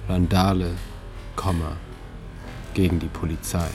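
Man, very low voice, monotone, calm literary narration, music behind. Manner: calm, measured, with slow deliberate pauses. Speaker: narrator and author.

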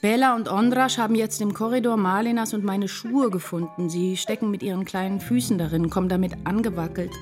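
A woman's voice: mid-range voice, fairly even intonation, brisk, few pauses, natural voice. Actress as anxious, tender woman narrator with music. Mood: tender, wistful. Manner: intense, confessional first-person storytelling. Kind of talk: literary radio drama narration. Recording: music behind the voice.

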